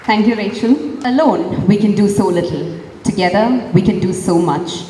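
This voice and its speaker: Mellow-voiced woman announcing in a hall. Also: mid-range voice, normal speed. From India. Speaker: ceremony anchor. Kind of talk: formal stage announcement. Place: large hall. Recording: echoey hall, distant mic, faint ambience.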